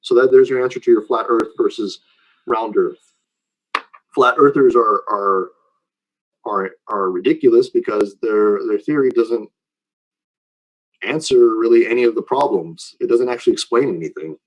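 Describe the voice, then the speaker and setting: A man's voice: mid-range voice, normal speed, long pauses, rough recording. A man lecturing informally and taking questions, explaining in a conversational way and often checking that listeners follow.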